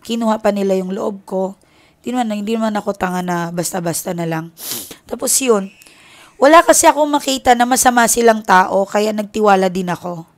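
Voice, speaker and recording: A woman's voice: mid-range voice, brisk. A woman from the Philippines, a tarot reader, telling a personal story in a candid, confiding way, linking her thoughts with many filler words.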